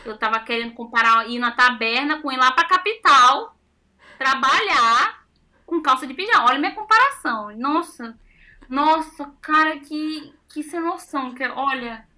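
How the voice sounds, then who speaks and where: Woman, young adult, from Brazil, casual chat, self-mocking, bright tone. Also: high voice, normal speed. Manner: animated storytelling with self-mocking exclamations.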